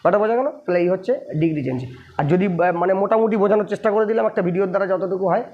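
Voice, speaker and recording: A man's voice: high voice, racing. A man with a Bengali accent teaching English grammar, repeating points and asking his students rhetorical questions. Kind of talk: explaining lesson to students. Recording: dull lo-fi recording.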